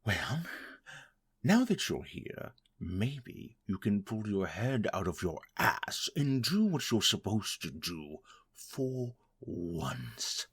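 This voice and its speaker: A man's voice: lowish voice, very animated, slow pace, a bit bright, husky, exaggerated voice. A man playing an arrogant, furious vampire master in an audio drama, speaking in an imperious, menacing way. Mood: scornful, threatening.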